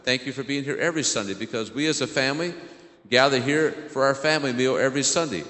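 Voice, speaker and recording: A man's voice: medium pitch, quick pace, sharp tone. A man with an American accent, a priest giving a simple homily addressed to children in church. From southern Illinois, United States. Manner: simple questions to children, repeats their answers. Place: large indoor church. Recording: echoey church hall, long reverb.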